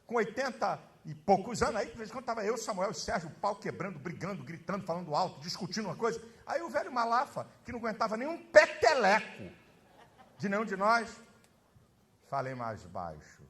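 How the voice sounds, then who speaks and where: Fiery preacher with a high, bright voice. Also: male voice, animated, fast. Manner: fiery, emphatic, often shouting. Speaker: pastor. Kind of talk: sermon.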